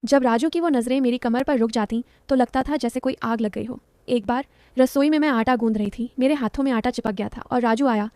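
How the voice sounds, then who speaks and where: A woman's voice: a little high, brisk, darkish tone, no echo. A woman narrating a story in the first person, in a confiding, dramatic way.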